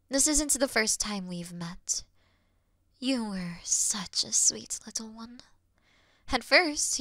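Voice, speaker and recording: Demon queen, played by a woman: regal, sincere, measured and soft-spoken, with a bright edge, recorded dry for fantasy roleplay audio. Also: mid-range voice, no room sound. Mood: tender, nostalgic. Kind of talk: scripted fantasy audio roleplay addressed to the listener.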